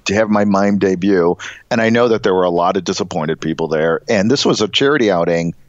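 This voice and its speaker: A middle-aged man with a head cold, nasal and stuffed up, co-hosting a podcast with dry, deadpan jokes. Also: sits low, fairly quick, no room sound, lo-fi sound. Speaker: podcast co-host. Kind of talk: casual chat.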